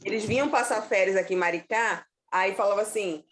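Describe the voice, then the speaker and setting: A woman's voice: mid-range voice, brisk. A woman student telling a playful story during an online class. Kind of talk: casual chat in class.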